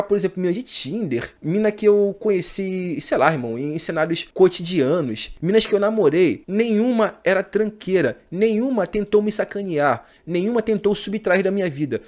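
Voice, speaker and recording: Brief: thirties male host from Brazil, rapid slangy delivery, voice sits a bit high. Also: a little mellow. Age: 30s. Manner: slangy, addresses viewers as brothers. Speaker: channel host. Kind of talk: casual monologue to camera.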